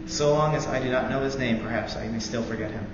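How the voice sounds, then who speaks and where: Young man reading in an echoey hall. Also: mid-range voice. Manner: halting intro with many fillers, then steady earnest reading. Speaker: student veteran reading aloud. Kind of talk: live reading of a novel passage. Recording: roomy echoey hall, dull lo-fi sound, noisy.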